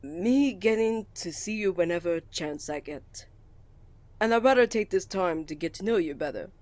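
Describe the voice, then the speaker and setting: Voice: medium pitch, expressive, moderate pace, darkish tone, no echo, lightly acted. A voice actor playing a shy, flustered male college student in love, stammering, earnest and courteous, in a romantic ASMR roleplay. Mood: bashful, tender. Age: young adult.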